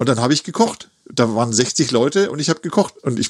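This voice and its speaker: At medium pitch, a man speaks with ordinary pitch variation. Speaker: podcast co-host. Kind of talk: casual chat.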